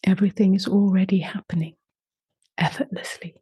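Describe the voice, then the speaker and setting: A woman leading a guided meditation in a soft, unhurried voice that often drops to a half-whisper. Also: medium pitch, fairly even intonation, husky, no room sound. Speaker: meditation teacher.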